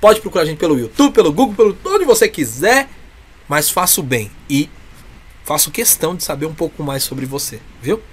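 Speaking fairly quickly in a sing-song, fairly high voice with a breathy edge, this interview guest, a clown from a humour troupe, has a Brazilian Portuguese accent. He sounds earnest, emphatic, warm and encouraging. The noisy webcam call comes from a small room with a curtain behind him.

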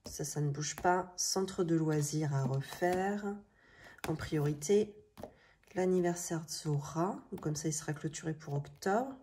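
A woman in her thirties with a French accent chats casually, thinking aloud in colloquial speech with a slightly rough morning voice. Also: low voice, measured pace, mellow. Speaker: budgeting video host. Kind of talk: casual chatty vlog narration. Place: indoors at a table. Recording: noisy home recording with clicks.

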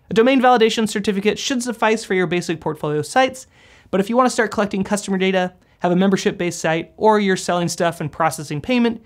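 An American man in his thirties presenting a scripted comedic explainer in a goofy, playful manner. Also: high-pitched. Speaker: host. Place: indoor green-screen studio.

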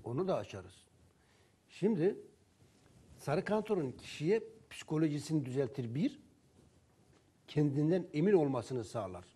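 A man selling herbal remedies tells stories about his customers, jumping between their voices and his own as he acts out their conversations. His voice sits fairly high for a man yet sounds very dark and mellow. There is a husky edge to it throughout. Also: sing-song, moderate pace, long pauses. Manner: storytelling, acting out dialogue with customers.

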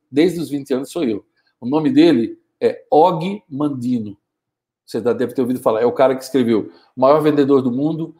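A man in his fifties giving a forceful, scolding motivational talk on a live stream, using an earphone mic in a small home studio. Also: medium pitch. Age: 50s. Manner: forceful, scolding, gestures a lot. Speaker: motivational speaker. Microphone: wired earphone mic, webcam framing.

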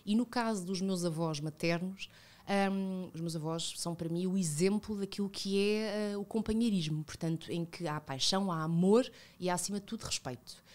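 A woman in her thirties with a European Portuguese accent, talking reflectively as a podcast guest, with many fillers and self-corrections, close on a studio boom mic. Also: a little fast, darkish tone. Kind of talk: casual conversational interview. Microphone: studio boom mic with headphones.

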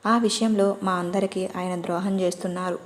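In an audio storybook, a wary young man talks in a curt, flat, gruff way, as a woman narrator puts him on. He fires off blunt questions. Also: lowish voice, fairly quick, a little hiss or hum, natural voice. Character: stern young man, a wary rich host.

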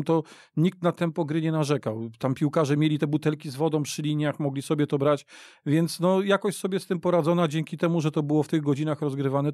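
A man with a fairly high voice talks football as a podcast guest. He speaks haltingly and doubles back on his words, recorded very dry with no room sound. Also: darkish tone, no room sound. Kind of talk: unscripted football discussion. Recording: dry radio studio.

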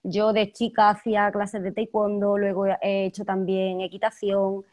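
A woman in her twenties with an Andalusian accent, chatting lively as an actress in an interview, laughing often. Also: medium pitch, unhurried. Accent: Andalusian Spanish. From Andalusia, Spain. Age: 20s. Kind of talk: casual interview chat.

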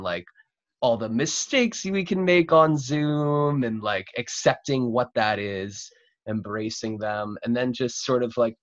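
A man's voice: mid-range voice, lo-fi sound. Young man hosting a casual, effusive chat. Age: young adult. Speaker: talk show host. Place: home room, on a video call. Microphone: video call.

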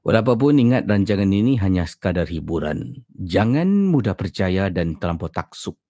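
A man's voice: low voice, very animated, normal speed, warm tone, no room sound, clean studio sound. A Malaysian man hosting a casual livestream, speaking with a slight slurred lisp from a sore, ulcerated tongue. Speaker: podcast and livestream host. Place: at home.

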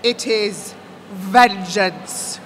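A woman voicing a grave, grieving queen, measured, deliberate and coolly intent, in an audiobook. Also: a little high, expressive, sharp tone, in a large hall, slight background noise, full character voice. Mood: solemn, knowing. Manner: slow, deliberate.

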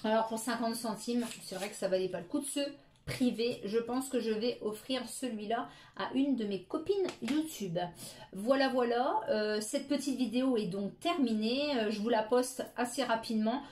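A woman's voice: fairly high pitch, moderate pace, darkish tone, slight background noise. Middle-aged woman, casual haul vlogger, chatty with many hesitations, echoey room. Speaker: beauty vlogger.

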